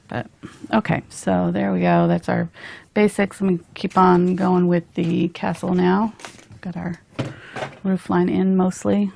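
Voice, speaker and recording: A woman's voice: on the low side, vocal fry, warm tone, a little hiss or hum. A woman hosting a casual painting tutorial, chatting informally and thinking aloud as she works. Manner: giggly, informal, thinking aloud while working. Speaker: host, painting instructor.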